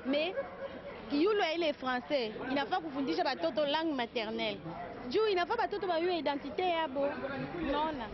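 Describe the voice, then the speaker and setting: Mother interviewed outdoors, lively mixed-language talk, muffled audio. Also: high voice, moderate pace. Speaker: street interviewee. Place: busy street outdoors. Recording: dull lo-fi street recording with crowd.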